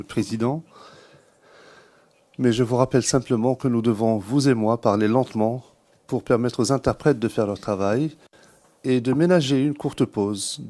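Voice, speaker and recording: A man with a medium-pitched voice works as a court interpreter. He renders questions formally and carefully, pausing between phrases. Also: darkish tone.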